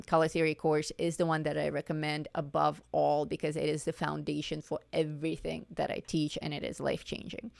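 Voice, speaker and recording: A woman teaching art on a live stream, her voice slightly low, with a gravelly fry that is getting hoarse, yet smooth and clear. She chats casually, restarting and repeating her words. The sound is dry and close. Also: dry recording. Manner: chatty, self-correcting, repeats words. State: voice going hoarse. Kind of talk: live-stream coloring lesson.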